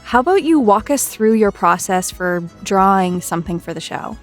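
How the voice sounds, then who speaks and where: Give this one to a woman hosting an interview. Her voice sits at a middle pitch for a woman, and she moves between prepared presenting and casual questions. Faint music plays behind her. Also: expressive, moderate pace. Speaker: interviewer and host, associate producer. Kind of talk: scripted intro, then casual interview.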